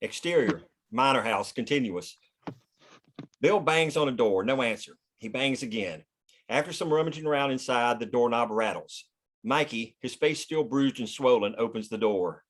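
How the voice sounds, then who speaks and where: A man's voice: medium pitch, animated, moderate pace. A man reading scripted screenplay stage directions as the narrator of a table read.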